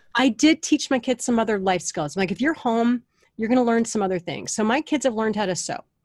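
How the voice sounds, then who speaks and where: A woman with a normal speaking voice talks fairly quickly, her pitch sitting fairly high. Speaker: TV journalist and marathoner. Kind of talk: casual interview conversation. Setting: closet at home.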